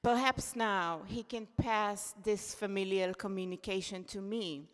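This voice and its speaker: A woman reads her own essay at an unhurried pace. Her pitch sits in the middle of the usual range, and her delivery stays measured and reflective. A long hall reverb trails behind her voice. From Israel. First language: Hebrew. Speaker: contributor reading at a poetry event. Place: event hall.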